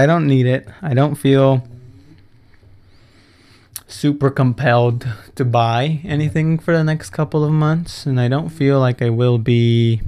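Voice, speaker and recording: His voice is clear and resonant, a little mellow, at a medium pitch: a twenty-something podcast host delivering a casual solo monologue full of profanity, tangents, self-corrections, and laughter.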